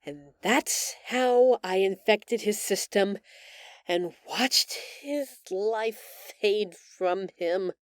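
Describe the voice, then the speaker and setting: A woman playing a gentle, empathetic female alien in an intimate audio roleplay, speaking earnestly and hesitantly with emotional pauses. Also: medium pitch, no room sound. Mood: bitter, intense. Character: gentle, remorseful female alien, empathetic, recounting her escape from captivity.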